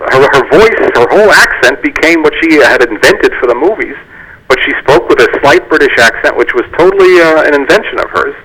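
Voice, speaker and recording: A man's voice: mid-range voice, sharp tone, poor audio. A man in his sixties, a guest on a community TV show, talking casually about an old film with many fillers and restarts. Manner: chatty, anecdotal, frequent fillers and restarts. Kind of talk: casual studio interview. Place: community TV studio.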